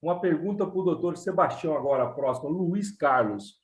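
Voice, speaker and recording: A man's voice: a little high, lively intonation, a little fast, echoey room. A man hosting a live Q&A, reading viewer questions aloud to his guests. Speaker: host. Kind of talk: live Q&A moderation.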